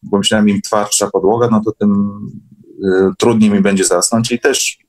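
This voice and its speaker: Casting: male guest, fairly low voice, informal online chat, halting delivery with repeated words. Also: fairly even intonation, darkish tone, soft background music. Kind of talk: casual chat in an online meeting.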